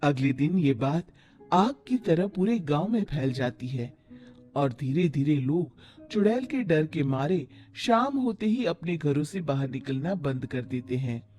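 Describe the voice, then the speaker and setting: Story narrator: animated intonation, mellow tone, scripted delivery, music underneath. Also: mid-range voice, measured pace.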